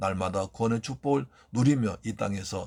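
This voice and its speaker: Vocal fry paired with very wide pitch swings. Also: man. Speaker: pastor. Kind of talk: sermon and prayer. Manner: fast.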